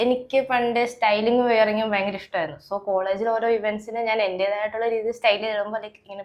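This woman speaks at a fairly high pitch with monotone, flat intonation. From Kerala, Alappuzha village. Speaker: model. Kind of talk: interview.

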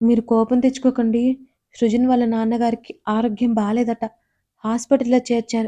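In a put-on character voice, a woman mumbles soft-spoken at a moderate pace, with a fairly high pitch, monotone, flat intonation and very even loudness. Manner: hesitant, soft, mumbling.

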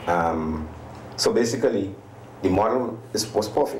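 A voice at a moderate pace, with light background noise and audible echo from the room. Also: man. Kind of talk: interview answer. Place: studio.

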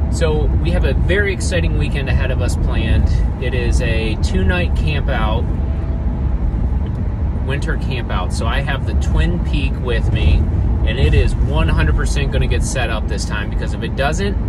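A man with ordinary pitch variation, in a dry sound with no echo, over loud background noise. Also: moderate pace. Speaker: camping vlogger. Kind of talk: casual vlog chat. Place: car. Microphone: phone near.

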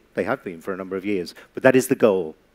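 Here a man speaks with ordinary pitch variation. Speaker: panel moderator, magazine editor. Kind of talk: moderated panel discussion. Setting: stage with audience. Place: hall. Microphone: headset.

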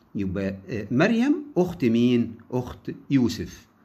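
A man's dark, mellow tone comes through with audible room echo. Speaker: primary school teacher. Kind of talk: lesson for young children.

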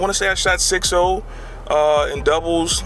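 A man's dry voice with no echo, faint music in the background. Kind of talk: casual vlog chat. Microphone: phone near.

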